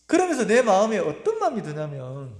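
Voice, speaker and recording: A middle-aged man preaching a sermon, telling a personal story in an earnest, emotional way, pausing and repeating his words. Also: high-pitched, wildly swooping pitch, darkish tone. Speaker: pastor. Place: church sanctuary. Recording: echoey church hall with long reverb.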